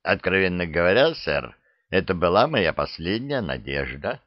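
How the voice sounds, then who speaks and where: A man's voice: low voice, very animated, moderate pace, dry recording, lo-fi sound. A man reading the part of an older veteran soldier with a dry, blunt, self-deprecating way of talking. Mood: wry. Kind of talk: audiobook character reading.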